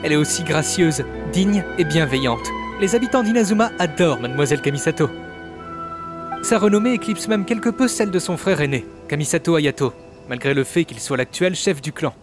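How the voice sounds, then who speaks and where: Game dub: courteous, affable young male retainer, acted by a man, lightly high-pitched, formal, articulate delivery over music. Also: expressive, a little fast, lightly acted. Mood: affable, admiring. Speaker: amateur voice actor dubbing a game character. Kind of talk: scripted game dialogue dub.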